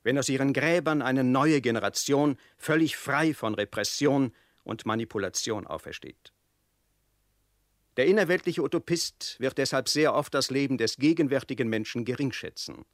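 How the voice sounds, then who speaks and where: A man's voice: mid-range voice, moderate pace, no echo, clean studio sound, close to an everyday voice. Man reading as a formal, emphatic author. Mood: earnest, critical. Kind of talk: formal reading of a quoted book in a radio feature.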